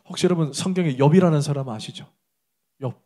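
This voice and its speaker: A man's voice: on the high side, quick pace, warm tone. A man preaching a Sunday sermon as pastor, emphatic and asking the congregation direct questions.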